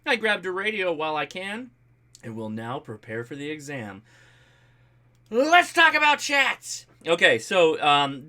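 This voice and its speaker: An American man hosts a relaxed ham radio livestream, reading viewer comments aloud and responding in an animated, jokey, colloquial manner. His pitch is fairly high.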